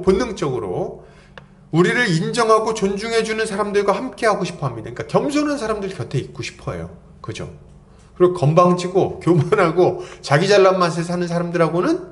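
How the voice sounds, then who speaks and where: A middle-aged man preaches to his congregation in a chatty, playful way. His voice sits a little high and swings widely in pitch. He slips into quick mock quotes to make a point. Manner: conversational preaching with playful acted quotes and asides. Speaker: pastor. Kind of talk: expository sermon.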